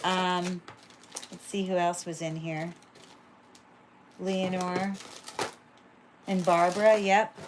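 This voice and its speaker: A woman's voice: on the low side, flat delivery, takes it slowly, long pauses, background noise. Chatty woman selling jewelry on a livestream. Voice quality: describes own voice as loud. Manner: chatty, many fillers, thinks aloud while handling items. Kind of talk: casual livestream sales chat.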